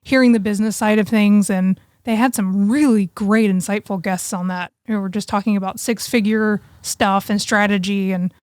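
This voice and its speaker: A woman's voice: mid-range voice, fairly even intonation, moderate pace, hardly any pauses, darkish tone, dry recording, clean studio sound. A woman co-hosting a podcast in casual conversation, informal, agreeable and enthusiastic. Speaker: podcast co-host and author.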